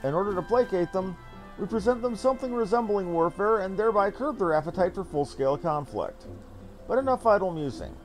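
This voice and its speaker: A man reading game dialogue aloud as a composed fantasy leader, formal, measured and eloquent in phrasing. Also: sits high, animated, soft background music, low-quality recording. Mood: composed, purposeful.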